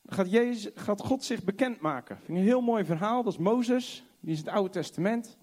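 High-voiced impassioned male preacher. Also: expressive. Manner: impassioned, swings from loud high exclamations to hushed low tones; reads scripture aloud slowly and emphatically. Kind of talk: sermon.

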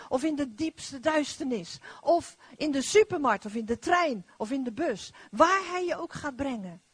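A middle-aged woman preaching a lively charismatic sermon, exclamatory and repeating her phrases. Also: high-pitched, dry recording. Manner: animated, exclamatory, repetitive phrasing.

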